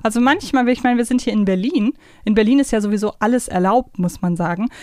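A woman's voice: medium pitch, fast talker, darkish tone, dry recording, studio quality. A woman hosting a podcast in a casual, conversational chat style. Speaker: podcast host. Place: close, dry podcast recording.

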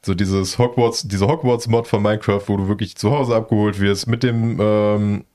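A man with a fairly low voice talking casually about a video game. He rambles, thinks aloud and hedges with small fillers as he goes. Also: steady tone, moderate pace, darkish tone. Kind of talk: casual gaming chat.

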